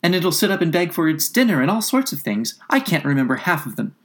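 A woman's voice: low-pitched, expressive, moderate pace, voice pushed up. A woman voicing a polite, chatty, curious young girl from a storybook, with an eager, earnest, apologetic manner. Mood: eager, coaxing.

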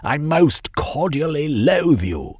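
A man plays a defiant young runaway who speaks with haughty, mocking politeness. The voice sits well above the reader's own and swings lively in pitch. The recording is dry and close. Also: takes it slowly, slightly rough, no echo, heavily acted. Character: defiant young man fleeing his family.

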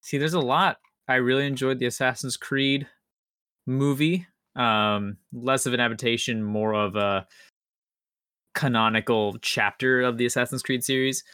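A man's voice: medium pitch, steady tone, moderate pace, sharp tone, smooth, no room sound, clean studio sound. A man on a podcast panel chatting casually, thinking aloud and repeating his phrases as he works out a point. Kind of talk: casual chat.

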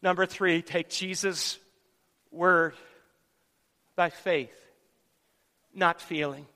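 A man preaching a sermon with animated stories in an excitable, dramatic manner, repeating phrases for emphasis. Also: sits high, very slow. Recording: echoey hall with long reverb.

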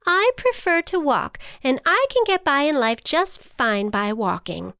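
A woman's voice: sits high, very animated, unhurried, sharp tone, dry recording, clean studio sound, voice pushed up, heavily acted. A woman voicing a timid, stubborn female butterfly in a children's storybook, with an anxious, protesting and exclamatory manner. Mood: defensive.

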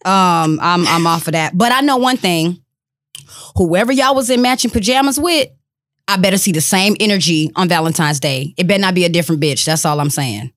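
A woman's voice: on the low side, a little fast, a bit bright, no room sound, studio quality. A woman with an African American accent chatting casually as a podcast co-host, speaking in a blunt, slangy way. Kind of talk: casual chat.

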